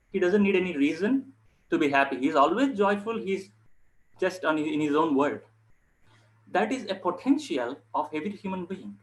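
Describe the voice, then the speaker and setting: Higher-pitched man, earnest yoga instructor. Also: poor audio. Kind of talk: informal instructional talk to online viewers.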